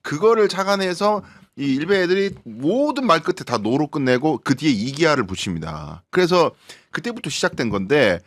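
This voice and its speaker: A man from Daegu with a Gyeongsang accent, talking as a political panelist on a studio talk show, animated and given to acting out quoted speech. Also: moderate pace, hardly any pauses. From Daegu, South Korea. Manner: animated, mimics quoted speech with big pitch jumps.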